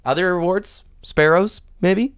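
A man's voice: high-pitched, unhurried, smooth, no echo, studio quality. A man hosting a casual gaming podcast, chatting with his co-host and reading listener posts aloud.

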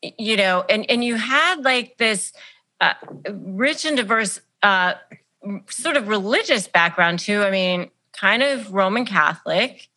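A woman's voice: medium pitch, animated, a little slow, pushed and bright. A woman hosting a podcast, speaking in an effusive, emphatic way as she introduces and questions her guest. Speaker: podcast host.

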